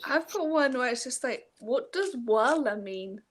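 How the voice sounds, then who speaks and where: A woman's voice: high voice, lively intonation, measured pace. A young woman talking casually as she discusses a book with a friend. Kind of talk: casual chat about a book.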